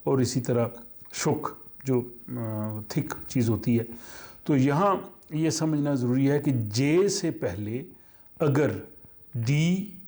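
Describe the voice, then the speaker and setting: A man teaches a language lesson at an unhurried, deliberate pace. His voice is dark and mellow, and he pauses often with fillers as he works through each point. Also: mid-range voice, expressive. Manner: slow, halting explanation with many fillers.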